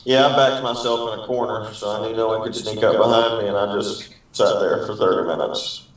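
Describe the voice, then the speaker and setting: A man's voice: lowish voice, fairly even intonation, fairly quick. A man chatting casually and telling anecdotes, recorded in a very echoey room at a distance from the mic. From Alabama, United States. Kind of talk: casual chat, storytelling.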